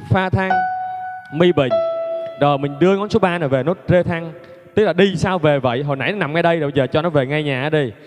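A man giving a casual piano lesson, chatty and joking, laughing at himself between fingering steps. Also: fairly high pitch. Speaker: piano teacher. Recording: long reverb, loud piano music.

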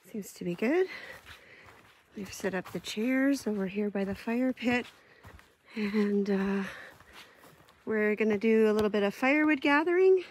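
A woman giving a casual, chatty camping vlog tour outdoors, with easy laughs and lots of fillers. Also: mid-range voice. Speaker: camping vlogger. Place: outdoors at a lakeside forest campsite.

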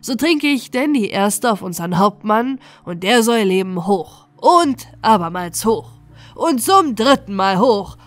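A woman's voice: medium pitch, moderate pace, no room sound, close to an everyday voice. A woman voicing a sturdy, cheeky male butcher in a storybook, forthright and fond of proposing toasts. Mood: toasting. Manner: forthright, convivial, declamatory. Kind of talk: storybook character voice in an audiobook.

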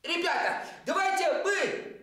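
Very echoey studio sound carries an excitable little clown with an extremely high, squeaky, bright voice. He exclaims and repeats his phrases eagerly, like an overexcited kid entertaining children on TV. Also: a little slow, exaggerated voice. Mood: cheerful, eager. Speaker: children's show host. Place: indoor children's TV studio set.

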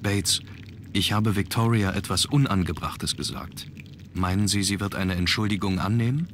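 An actor playing a reserved, brooding young aristocrat in an adventure game, formal and deliberate. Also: male voice, deep voice, fairly bright tone, a little hiss or hum. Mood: reserved, courteous. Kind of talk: scripted video game acting.

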